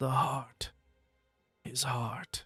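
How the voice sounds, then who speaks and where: Someone whispers in a put-on character voice. The whisper sounds raspy. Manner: whispering, faint.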